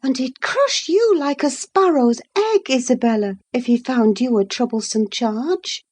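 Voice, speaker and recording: A woman's voice: high-pitched, a little slow, a little mellow, slightly rough, pitched above the performer's own voice. A woman voicing a proud, scornful young noblewoman who speaks emphatically in an audiobook reading. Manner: emphatic, cutting, declamatory.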